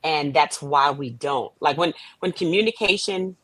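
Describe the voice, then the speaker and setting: A woman guest talking casually in a panel interview, halting as she repeats and rephrases her thoughts. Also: low voice, fairly bright tone, dry recording. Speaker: writer and director, interview guest.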